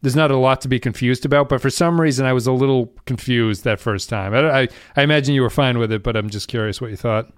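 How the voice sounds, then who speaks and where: A man's voice: mid-range voice, fast, hardly any pauses, dry recording, studio quality. A man co-hosting a podcast in casual chat, hesitant with many restarts and frequent laughter. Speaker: podcast co-host.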